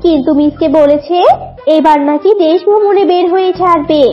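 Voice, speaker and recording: A woman's voice: extremely high pitch, normal speed, muffled recording, faint music behind. A woman voicing a fussy, worried female fox in a cartoon, chatty and pleading. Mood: anxious, reporting. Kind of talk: cartoon voice acting.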